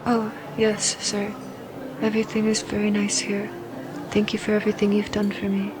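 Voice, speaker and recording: A woman's voice: medium pitch, monotone, normal speed, noisy background, close to an everyday voice. A woman voicing a timid, deferential young servant who speaks hesitantly and very politely. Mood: meek.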